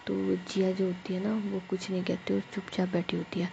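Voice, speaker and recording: A woman casually narrating a love story, softly and half-whispered, with chatty filler tags. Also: on the low side, monotone, normal speed, vocal fry, highs cut off, slight background noise.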